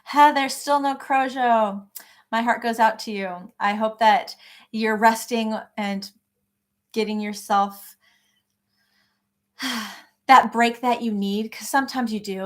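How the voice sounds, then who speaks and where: Speaking unhurriedly in a high-ish voice with fairly even intonation, a crochet livestream host chats casually. She reads viewer comments and responds to people by name, keeping things encouraging.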